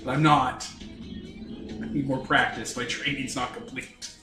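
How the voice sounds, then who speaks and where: Wry game master, echoey and distant. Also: male voice, medium pitch, steady tone, unhurried, over music. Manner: wry, jokey scene-setting. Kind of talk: narrating a tabletop game.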